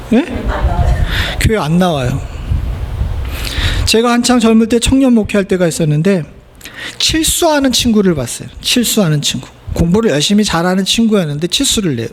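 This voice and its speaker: Male pastor, middle-aged, high-pitched, conversational sermon full of questions to the pews. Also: a little hiss or hum. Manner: conversational preaching with rhetorical questions to the congregation. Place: church sanctuary.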